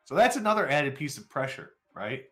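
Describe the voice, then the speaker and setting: A man's voice: a little high, sing-song, fairly quick, a bit bright. A man in his forties chatting candidly with viewers on a live stream, rambling and self-deprecating, with plenty of fillers. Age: 40s. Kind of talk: casual chat with viewers.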